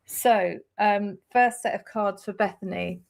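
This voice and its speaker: A woman hosting a live tarot stream, laying out cards and thinking aloud with hesitant pauses. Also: mid-range voice, steady tone, vocal fry. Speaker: tarot reader host.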